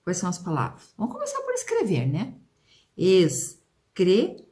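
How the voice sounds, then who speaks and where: A Brazilian Portuguese-accented woman teaching children, sounding out words slowly and prompting the class with questions. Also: medium pitch, wildly swooping pitch, darkish tone. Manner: slow, drawn-out pronunciation of example words; questions and prompts aimed at pupils. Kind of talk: video lesson for children.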